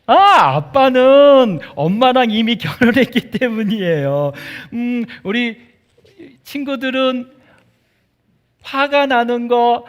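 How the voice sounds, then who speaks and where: A man pastor giving a playful, animated children's sermon in a church. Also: very high-pitched.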